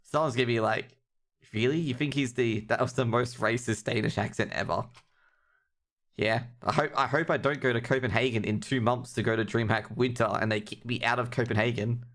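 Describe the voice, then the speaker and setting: A man's voice: mid-range voice, steady tone, brisk, a bit bright. A man doing casual, jokey live commentary on an esports match and chatting informally with his viewers. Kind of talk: casual live game commentary with chat banter. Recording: clear background noise with clicks.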